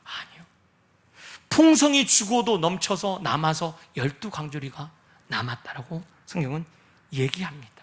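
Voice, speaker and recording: A man's voice: a little high, lively intonation, moderate pace. A man preaching a sermon as a pastor, acting out prayers and the words of Jesus with dramatic swings, sometimes dropping to a near whisper.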